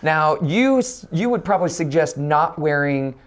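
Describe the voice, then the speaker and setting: A man's voice: on the high side, lively intonation, moderate pace. A man hosting a casual, chatty interview in a jokey, encouraging way. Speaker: interviewer, host.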